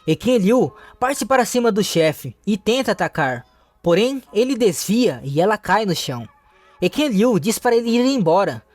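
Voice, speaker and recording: A man with a Brazilian Portuguese accent, narrating a comic story recap in a steady, plain third-person retelling. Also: high-pitched, no room sound.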